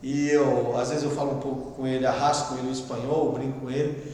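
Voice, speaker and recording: A Brazilian man teaching a Bible class as pastor, reading a text and explaining it in a conversational way with quiet asides. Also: mid-range voice, level tone, fast talker. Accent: Brazilian Portuguese. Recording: echoey room with long reverb.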